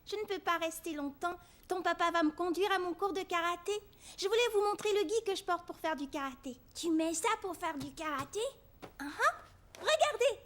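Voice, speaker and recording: Confident small girl for children's animation: high piping voice, talkative, eager to explain. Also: expressive, normal speed, a bit bright. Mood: proud. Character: confident, chatty little girl proud of karate. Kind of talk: children's cartoon dubbing.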